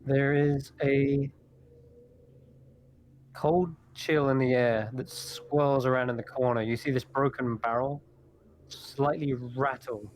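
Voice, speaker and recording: A man narrating a tabletop game as game master, descriptive and unhurried. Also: medium pitch, fairly even intonation, slight background noise.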